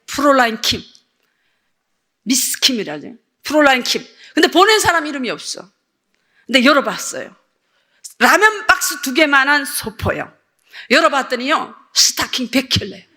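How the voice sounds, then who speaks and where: A middle-aged woman missionary giving a lively testimony sermon to a church audience, acting out her past self as she tells the story. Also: sits high, moderate pace, pauses often. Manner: animated storytelling, acts out her own past voice. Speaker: missionary preacher. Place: church service with audience laughing.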